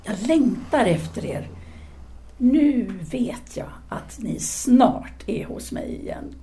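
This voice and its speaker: Audio drama, self-possessed intellectual lover, dark mellow voice, formal, measured, intimate, seductive. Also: female voice, on the high side, very animated, gravelly. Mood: ardent longing. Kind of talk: audio drama letter monologue and dialogue.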